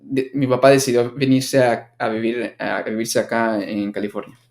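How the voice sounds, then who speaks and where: A man's voice: mid-range voice, flat delivery, darkish tone. Young man, chatty guest with restarts. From United States. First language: English. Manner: talks in quick bursts with many restarts. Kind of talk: casual conversational chat.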